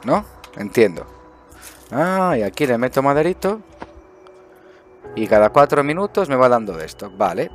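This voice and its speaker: A man's voice: mid-range voice, big pitch swings, normal speed, pauses often, faint music behind. A middle-aged man with an accent from Spain giving casual, improvised gameplay commentary, chatting and thinking aloud with muttered questions to himself. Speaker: gaming video host. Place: indoors at a desk, webcam view.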